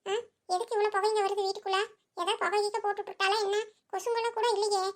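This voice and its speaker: A woman's voice: very high voice, flat delivery, quick pace. A woman voicing a fretful young village wife, in a cartoon. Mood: frightened. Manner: anxious, exclaims often.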